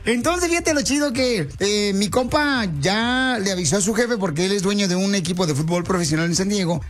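Male radio prank host, high voice, slangy and playful. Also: fairly quick, soft background music. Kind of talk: radio prank show banter.

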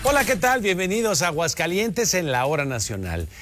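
A man hosting an interview in a relaxed, chatty way with many fillers. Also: high-pitched, brisk, music in the background. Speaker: host. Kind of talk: radio-style interview chat.

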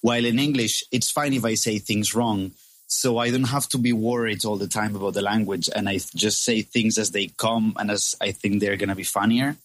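A man's voice: on the low side, steady tone, moderate pace, a bit bright, no echo. A man from Spain with a Spanish accent, whose first languages are Catalan and Spanish, chatting as a stand-up comedian guest, full of "like" and "um". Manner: chatty, many "like" and "um" fillers. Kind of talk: casual phone interview.

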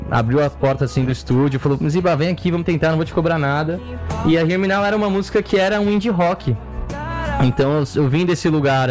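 A Brazilian man sits as a singer-songwriter guest, chatting casually. His mid-range voice meanders through long answers full of fillers, with faint music under it. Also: mid-range voice. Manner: relaxed, rambling, lots of "assim" and "né" fillers. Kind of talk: casual interview chat.

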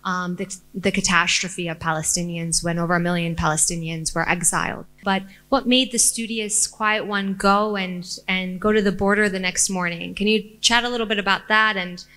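A woman interviewing a guest, asking measured, prepared questions. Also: medium pitch, sharp tone.

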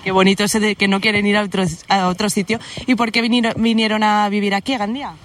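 A woman reporter doing brisk, upbeat live interviews on a beach, often saying "very good" between answers. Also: mid-range voice, flat delivery. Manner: brisk, upbeat, repeats "muy bien". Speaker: field reporter. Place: outdoors on a beach. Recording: distant, faint outdoor noise.

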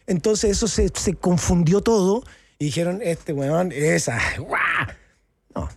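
A man's voice: high-pitched, animated, a little slow, creaky, warm tone, dry recording. A man with a Chilean accent, an actor talking candidly in an interview, casual and slangy with lots of fillers and tag questions.

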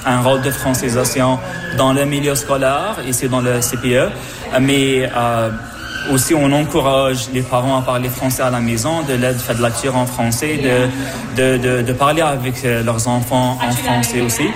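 A man's voice: medium pitch, level tone, normal speed. Hesitant male childcare director. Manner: hesitant, frequent filler sounds. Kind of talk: interview answers. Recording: music playing behind.

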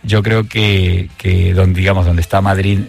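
A man with an Argentine accent, a guest on a radio show, talking in a reflective, measured way with frequent pauses and restarts. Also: low-pitched, little pitch movement, creaky, darkish tone, soft background music. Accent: Argentine Spanish. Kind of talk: relaxed radio conversation.

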